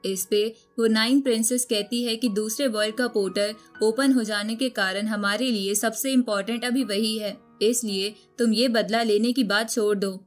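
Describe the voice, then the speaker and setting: A woman's voice: a little high, steady tone, moderate pace, hardly any pauses. A woman reading a scripted story recap as a narrator, telling the events in storytelling style. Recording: music bed under the voice. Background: background music.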